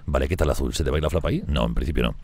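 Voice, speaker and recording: A man commenting on a strategy game he is playing, talking fast and excitably, swearing and laughing often. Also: extremely low pitch, gravelly. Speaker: gameplay streamer.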